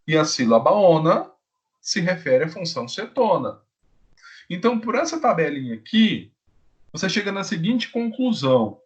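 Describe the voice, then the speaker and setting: Male teacher, lively pitch, slightly high voice, repetitive classroom delivery. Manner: lively, repetitive teacher talk, often checks in with "tá?"; slows down to stress key rules. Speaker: chemistry teacher. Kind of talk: live online class.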